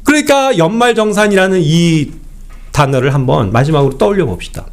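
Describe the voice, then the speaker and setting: A man's voice: on the high side, expressive, a little fast. A man preaching a sermon, addressing the congregation with rhetorical questions.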